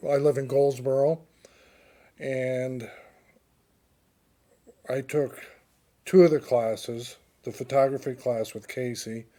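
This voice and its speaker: A man's voice: mid-range voice, steady tone, takes it slowly, pauses often, mellow. A man of seventy, a retired Army veteran, giving plain conversational answers in an interview.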